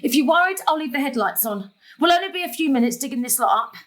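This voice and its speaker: A woman's voice: sits high, animated, fast, fairly bright tone. An actress playing an exasperated, long-suffering middle-aged mother in a naturalistic drama, with emotional delivery. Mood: urgent, organising. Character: harried, long-suffering mother caring for mother and daughter.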